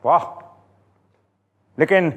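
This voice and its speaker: An actor playing a sly senior police officer who teases with a drawl in a TV sitcom. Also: male voice, very slow, a bit bright. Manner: drawling, teasing. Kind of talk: TV sitcom acting.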